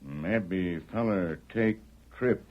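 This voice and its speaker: An actor playing a stoic, terse Native American man in halting broken English in an old radio western. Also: deep voice. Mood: guarded, stoic. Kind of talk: 1940s radio western acting. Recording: dull, muffled old radio recording.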